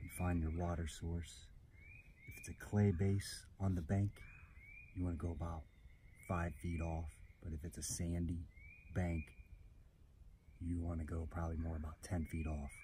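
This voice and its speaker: With light background noise and a dry sound free of echo, a man with a very deep, low pitch and a dark, mellow tone speaks in a flat monotone, somewhat breathy, leaving long, frequent pauses. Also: moderate pace. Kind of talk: tutorial. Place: waterside.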